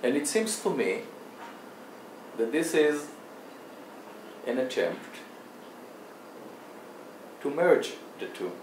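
Male interviewer, formal and flowery, mid-pitched, faint hiss behind. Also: big pitch swings, slow, pauses often, distant mic. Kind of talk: interview questions. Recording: echoey room, faint hiss.

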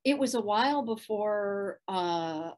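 A middle-aged woman with a soft, soothing voice, chatting as a guest in a video-call interview from a room at home, laughing often. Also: mid-range voice, expressive, takes it slowly. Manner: warm, laughs often, thoughtful. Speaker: voice actress guest.

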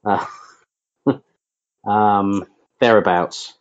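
A man on a motorsport podcast panel, wry and quick to laugh in casual chat. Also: on the low side, smooth, highs cut off.

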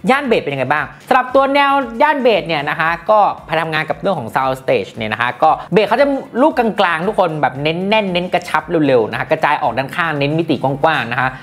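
A woman with a low voice talks through a gadget review in a chatty, playful way. Her pitch swings widely as she goes, and she drops teasing asides to her viewers. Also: sing-song, brisk, hardly any pauses. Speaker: tech product reviewer. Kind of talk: casual product review.

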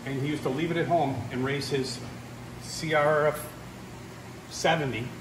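Relaxed middle-aged mechanic in a shop. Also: male voice, fairly high pitch, moderate pace, a little hiss or hum, rough recording. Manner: relaxed, knowledgeable, tells stories. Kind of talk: casual shop chat. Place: large motorcycle workshop indoors.

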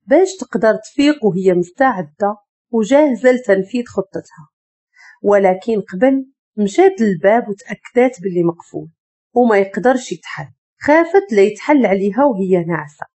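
A woman with a Moroccan accent narrating a dramatic story in an expressive, scripted storytelling manner. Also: medium pitch, slightly rough.

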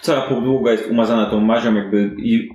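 A man's voice: medium pitch, steady tone, a little fast, darkish tone, a little hiss or hum. A man narrating an improvised tabletop role-playing game as game master, in a conversational, descriptive way. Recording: roomy echo, faint music. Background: music.

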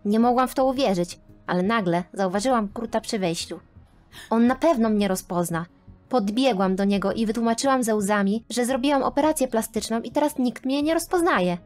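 A woman reading a scripted first-person animated story aloud, with expressive, dramatic storytelling. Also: fairly high pitch, a little fast. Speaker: narrator. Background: faint background music.

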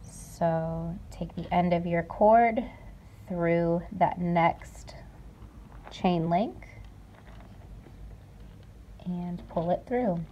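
Speaking very slowly with long pauses, a young woman in a lowish, warm voice demonstrates a craft step by step, explaining each stage carefully and repeating key words for emphasis. A little hiss or hum is audible.

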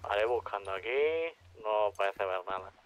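A man's voice: lowish voice, flat delivery, normal speed. A man from talking casually as a player in an online roleplay game. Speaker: roleplay gamer. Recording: lo-fi noisy game voice chat.

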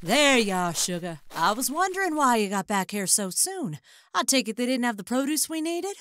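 Gentle motherly friend, lilting. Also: a little high, sing-song, moderate pace, no room sound. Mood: friendly. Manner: soothing, affectionate.

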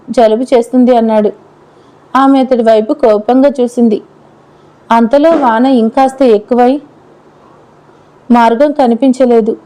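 Lady reading out a love story, kinda high, mellow voice, does all the lines herself. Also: rough recording. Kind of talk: scripted audio story narration.

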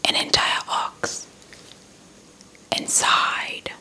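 A young woman from South Africa whispering a folktale in ASMR style close to a small microphone, deliberate and repeating words. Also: bright, forceful tone. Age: young adult. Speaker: ASMR storyteller. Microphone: small handheld mic held close to the mouth.

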